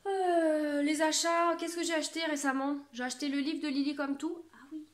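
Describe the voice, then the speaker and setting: A woman's voice: high voice, steady tone, moderate pace. A woman in her thirties from France, chatting casually to camera about her knitting, rambling and self-mocking with lots of fillers. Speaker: knitting vlogger.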